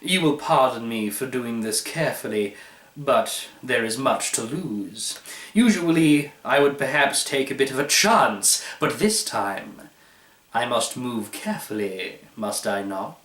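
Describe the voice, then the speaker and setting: Storybook connoisseur, male reader acting: smug, imperious, fussy, unhurried delivery, heard roomy and off-mic. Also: mid-range voice, lively intonation, fairly bright tone. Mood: smug, deliberate. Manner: deliberate, pompous, savoring each phrase. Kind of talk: dramatized short-story reading. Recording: roomy, echoey, distant microphone.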